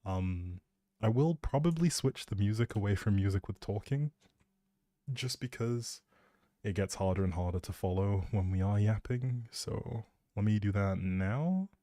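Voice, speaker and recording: A man's voice: lowish voice, expressive, unhurried, warm tone, no room sound. A man hosting a livestream, rambling casually and chattily, often breaking off mid-thought, speaking close to the mic. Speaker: live streamer, host.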